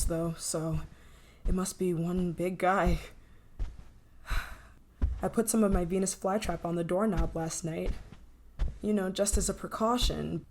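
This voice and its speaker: A woman's voice: lowish voice, a little mellow, slight background noise. Actress as an obsessive, lovesick woman scientist. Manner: intense, pleading, possessive, dramatic pauses. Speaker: voice actor in audio roleplay. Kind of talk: ASMR roleplay acting.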